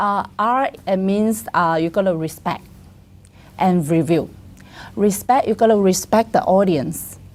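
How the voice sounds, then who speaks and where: A woman with a Chinese accent speaks fairly slowly with lively intonation and long, frequent pauses. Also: medium pitch for a woman. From China, Guangzhou. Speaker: communication speaker. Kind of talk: interview.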